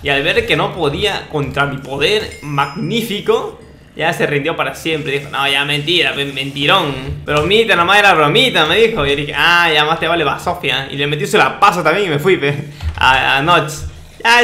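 This young man's voice is on the high side, bright and pushed, at a moderate pace as he talks through Minecraft gameplay. His Peruvian Spanish accent comes with a cocky, mock-bragging attitude, and the audio is roomy with slight background noise.

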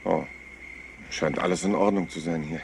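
An actor playing a polite, absent-minded police inspector who rambles apologetically and hesitantly in a crime drama. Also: male voice, deep voice, fairly even intonation, moderate pace, creaky, slight background noise. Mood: musing. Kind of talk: dubbed TV crime drama acting.

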